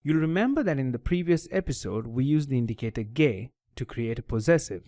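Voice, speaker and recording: Male tutor, scripted voice-over, lively intonation, methodical delivery, dry close mic. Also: mid-range voice, a little fast, no room sound. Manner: clear, methodical explaining. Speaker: language teacher.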